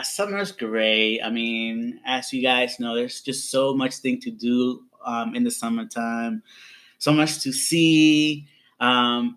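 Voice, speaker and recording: A thirty-year-old man co-hosting a casual podcast, upbeat and cheeky as he talks with friends. His voice is at an average pitch for a man. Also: a bit bright. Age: 30s. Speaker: podcast co-host. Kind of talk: casual chat.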